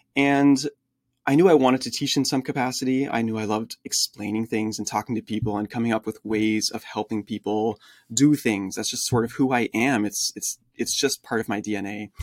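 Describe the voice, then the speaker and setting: At a fairly quick pace and with fairly even intonation, a normal speaking voice comes through in a dry, close sound with no echo. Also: man, medium pitch for a man. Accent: American. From US (Philadelphia area, multiple states). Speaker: translation agency owner. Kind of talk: interview.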